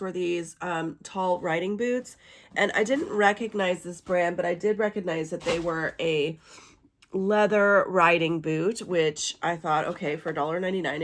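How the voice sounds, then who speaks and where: A woman in her thirties with a hoarse, raspy voice, chatting casually as a vlogger showing a thrift haul. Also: fairly low pitch, a bit bright. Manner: chatty, with fillers and small laughs. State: hoarse from illness. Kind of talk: casual chat.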